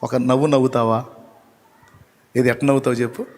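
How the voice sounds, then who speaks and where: A man's voice: medium pitch, little pitch movement, fairly quick, big-room sound. A male pastor preaching a live sermon, firing rhetorical questions at the congregation and teasing them with acted asides. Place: church hall.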